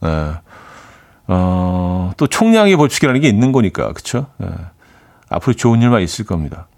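A man's voice: on the low side, normal speed. A man in his forties hosting a radio show, chatting casually and loosely with many fillers while answering listener messages. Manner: relaxed, rambling, many fillers.

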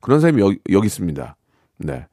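A man's voice: sits low, sing-song, quick pace, dark tone, no room sound, studio quality. Chatty middle-aged male radio host. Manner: chatty, joking, reacts with mock outrage. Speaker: radio host reading listener messages. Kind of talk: casual radio chat.

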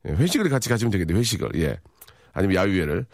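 A man's voice: sits low, big pitch swings, very fast, darkish tone, no echo, clean studio sound. A man in his forties hosting a radio show, reading listener messages in a playful, jokey chat and acting out little voices.

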